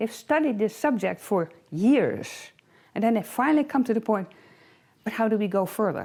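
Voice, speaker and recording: A woman speaks with a Dutch accent. Her voice is fairly high, with lively intonation. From Netherlands. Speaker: real estate broker. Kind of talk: interview.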